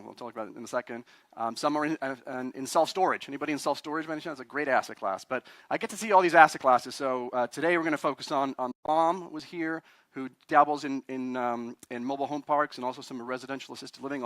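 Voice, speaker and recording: Brief: 40s man from Chile, quick talker, dry close sound, addresses a live crowd with chatty questions. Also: mid-range voice, a bit bright, no room sound. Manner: chatty, quizzes the audience, self-deprecating. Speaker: guest speaker, attorney. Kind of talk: live talk to a meetup audience.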